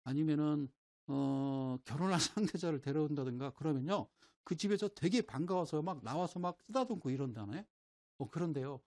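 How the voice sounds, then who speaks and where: A man's voice: fairly high pitch, animated, normal speed, a little mellow. A middle-aged man giving an informal recorded lecture on stocks, explaining with homespun everyday examples and often checking that listeners follow. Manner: folksy, keeps asking "right?" to check the audience follows.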